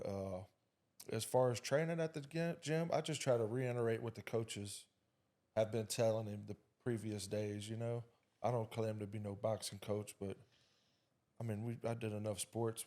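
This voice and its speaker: A man's voice: on the low side, a little mellow. A man speaking as a guest in a casual podcast interview, easygoing and talking in loose runs. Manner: laid-back, talks in loose runs with "you know" and "man". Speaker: father of a young boxer, guest.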